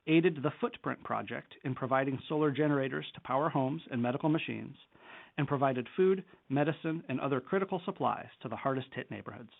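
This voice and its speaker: A man with a mid-pitched, creaky voice delivers scripted corporate remarks as an executive. His delivery is measured and formal. The sound is narrow and phone-like, as on a conference call. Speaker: company executive on an earnings call. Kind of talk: scripted corporate presentation, read aloud.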